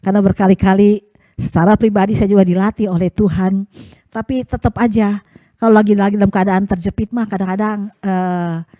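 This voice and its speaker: A woman's voice: medium pitch, fairly even intonation, fairly quick, warm tone, no echo. A woman preaching a conversational sermon, asking rhetorical tag questions and acting out the prayers and voices she quotes. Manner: chatty, rhetorical tag questions, chuckles often.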